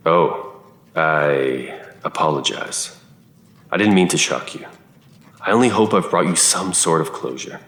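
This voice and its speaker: A man playing a grave, cryptic churchman in an audio drama, unhurried and solemn. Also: rumbling low, a bit bright, full character voice. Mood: apologetic. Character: grave, cryptic churchman guarding a dead woman's remains. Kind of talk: scripted audio drama dialogue. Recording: echoey room.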